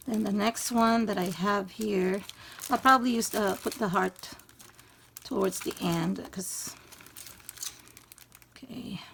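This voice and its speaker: A woman in her fifties with a naturally husky, allergy-hoarse voice, chatting through a craft tutorial step by step. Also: medium pitch, a little hiss or hum. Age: 50s. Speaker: craft channel host. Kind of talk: casual DIY tutorial. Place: craft room in a home loft.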